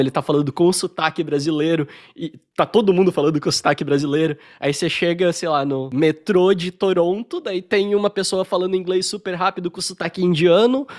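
Relaxed and heavy on fillers, a high-voiced young man from Brazil shares his story as a guest in a casual podcast interview held by video call, his Brazilian Portuguese accent evident.

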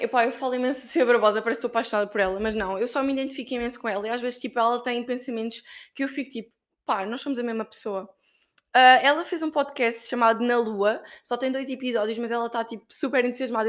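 A young woman with a European Portuguese accent chatting on her own podcast, rattling off stories from her week with plenty of fillers and asides. Her voice sits somewhat high, and she talks with an easy, lively informality. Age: young adult. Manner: chatty, animated storytelling, lots of fillers. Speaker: podcast host and student. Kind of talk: casual solo podcast chat.

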